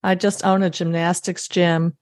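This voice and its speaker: A woman's voice: fairly low pitch, little pitch movement, normal speed, a little mellow, dry recording, clean studio sound. A woman hosting a faith podcast, speaking, affirming and eager, often speeding up in bursts. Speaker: podcast host. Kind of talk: casual faith interview.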